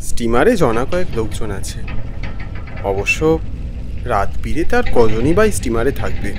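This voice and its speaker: A man playing a weary traveller who narrates his own animated ghost story expressively. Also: mid-range voice, moderate pace, background noise, lightly acted. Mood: weary, mildly irritated. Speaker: narrator and main character. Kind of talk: dramatized first-person horror narration.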